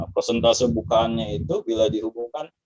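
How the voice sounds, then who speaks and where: A man speaks at medium pitch. The sound is dry and close with no echo, with music in the background. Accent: slight Jakarta. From Jakarta. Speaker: university lecturer. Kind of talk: online lecture. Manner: relaxed, casual.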